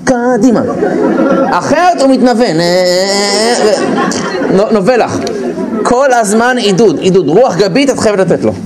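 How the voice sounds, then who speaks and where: A man lectures a crowded hall in a lively, high-set voice that swoops widely as he talks. He keeps slipping into quick acted-out lines for husbands and wives and hammers his points by repeating them. The audience is clearly audible around him. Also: over a noisy crowd. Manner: animated, acts out spouses' lines in quick put-on voices; repeats key phrases for emphasis. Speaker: lecturer on marriage. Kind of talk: humorous lecture to a live audience. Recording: live audience audible in the background.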